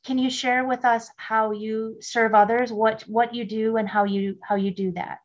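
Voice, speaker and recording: Lady host cheering on her guest, flat-ish voice, kinda muffled audio. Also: a little high, moderate pace. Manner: affirming and enthusiastic, with fillers and restarts. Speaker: interviewer. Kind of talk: casual interview.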